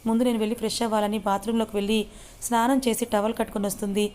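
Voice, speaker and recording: A woman narrating a romantic story aloud in a brisk, even storytelling manner. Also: a little high.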